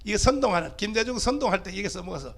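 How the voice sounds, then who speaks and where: A man's voice: high-pitched, lively intonation, racing. A male pastor, giving an emphatic political rally speech full of rhetorical questions to the crowd. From Gyeongsang (TK) region of South Korea.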